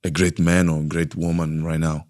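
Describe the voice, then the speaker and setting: A man from Italy, a native Italian speaker hosting a podcast, asking questions in halting, searching English. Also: very deep voice, level tone, a little mellow. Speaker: podcast host. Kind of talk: interview questions.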